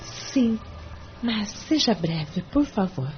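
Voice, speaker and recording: A woman's voice: medium pitch, sing-song, very slow. A woman voicing a reserved, hesitant wealthy wife confiding in her lawyer. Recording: dull lo-fi with faint hum.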